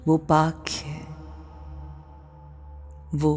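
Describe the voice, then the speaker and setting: A woman leading a spiritual guided meditation, speaking softly and deliberately in breathy phrases with long pauses. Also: low-pitched, completely flat delivery, soft background music.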